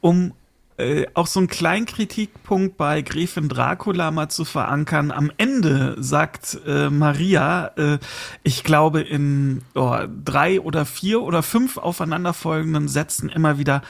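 Male co-host, slightly high register, gravelly creak, relaxed conversational review style. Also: unhurried. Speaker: podcast co-host. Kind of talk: casual chat, reviewing audio dramas.

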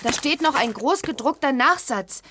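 A woman playing a bright young witch girl in a children's audio drama, enunciating with emphasis as if from a spellbook. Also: sits high, animated, normal speed. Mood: insistent. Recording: 1980s audio drama with background noise.

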